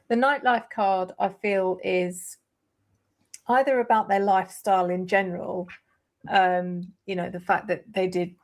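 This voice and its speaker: A woman hosting a live tarot stream, laying out cards and thinking aloud with hesitant pauses. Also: mid-range voice. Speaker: tarot reader host.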